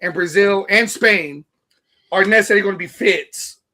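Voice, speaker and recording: A man's voice: sits high, moderate pace, bright, forceful tone. A man co-hosting a casual sports chat, talking in a rambling way with repeated words.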